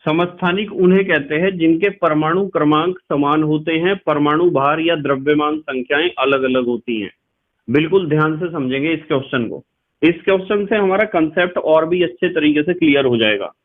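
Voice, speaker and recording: A man's voice: on the high side, moderate pace. A male chemistry teacher giving a patient lecture, repeating key points and quizzing his students. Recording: tinny lo-fi sound.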